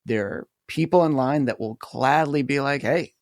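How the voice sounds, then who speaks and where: A man's voice: medium pitch, vocal fry, no echo, clean studio sound. A man hosting a podcast in casual conversation, emphatic and agreeable, often chiming in with short replies. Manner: emphatic, agreeable, quick interjections. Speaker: podcast host.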